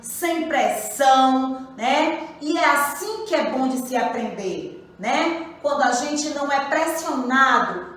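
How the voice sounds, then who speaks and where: Slow, high-voiced woman teacher. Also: a bit bright, heavy reverb, distant mic, low-quality recording. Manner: slow, patient, repeats questions to pupils. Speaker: primary school teacher. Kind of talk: recorded grammar lesson for children.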